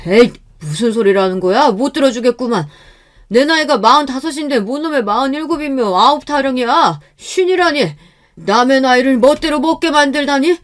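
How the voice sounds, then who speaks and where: A woman voicing a flustered, gruff 45-year-old man who grumbles and blusters. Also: on the low side, slow, pauses often. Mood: flustered blustering.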